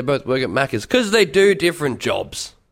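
Here a man talks at a fairly quick pace with an Australian accent. The recording is very clean and the background silent. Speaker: podcast host. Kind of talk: opinion monologue. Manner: casual.

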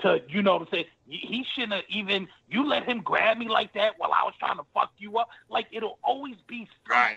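With a New York accent, a man speaks at a moderate pace in a high-pitched voice. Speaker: radio show co-host. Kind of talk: casual slang, profane.

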